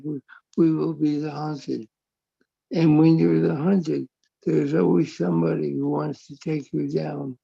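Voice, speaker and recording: A man's voice: on the high side, vocal fry, dark tone, husky, highs cut off. A man giving an earnest, emotional testimonial on a call, repeating his words with spiritual phrasing. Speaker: community member speaking on a call.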